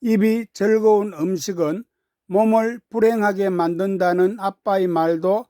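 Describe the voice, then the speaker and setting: A woman's voice: mid-range voice, measured pace, mellow, dry recording, studio quality. A woman storyteller narrating a children's story from a script.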